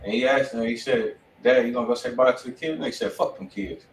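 A man's voice: mid-range voice, quick pace, vocal fry. A man with an American accent co-hosting a show in blunt, profane, slangy casual chat. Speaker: music review show co-host. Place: indoor room with desk and studio monitors. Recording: roomy, distant mic, background noise.

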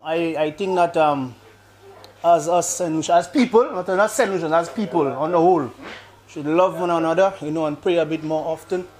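A man's voice: on the high side, moderate pace, a little mellow. A man answering hesitantly, urging people to pray more. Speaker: street interviewee.

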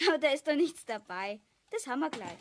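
A woman's voice: sits high, very animated, fast, background noise. A female performer playing a polite, helpful schoolgirl in a children's radio play. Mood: polite, eager. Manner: polite, eager.

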